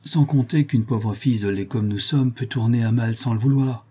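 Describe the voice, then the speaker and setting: A man's voice: mid-range voice, fairly quick, husky, close to an everyday voice. A man reading an audiobook aloud, voicing a cheerful, talkative young Parisian seamstress. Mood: chatty. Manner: lively, affectionate, talkative.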